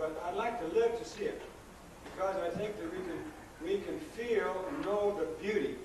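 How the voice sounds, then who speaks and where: High-pitched and lively in intonation, a man talks at a moderate pace. Audible room echo and noticeable background noise fill the recording. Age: 70s. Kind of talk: storytelling. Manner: halting.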